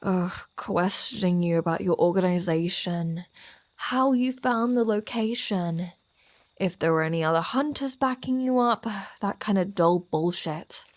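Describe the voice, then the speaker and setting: Woman playing a slow-talking, flirty female vampire. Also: on the low side, close to an everyday voice. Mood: sardonic, flirty. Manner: playful, sardonic, mock-exasperated. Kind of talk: ASMR roleplay audio drama.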